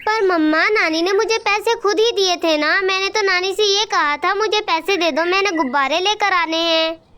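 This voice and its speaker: A woman's voice: very high-pitched, moderate pace, bright, forceful tone. A woman voicing a clever, talkative little boy bird in a cartoon, eager and pleading.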